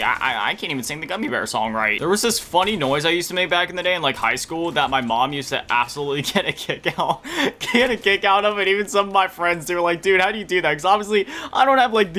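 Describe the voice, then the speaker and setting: Against noticeable background noise, a man talks very fast in a high voice with very wide pitch swings. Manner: casual, rambling.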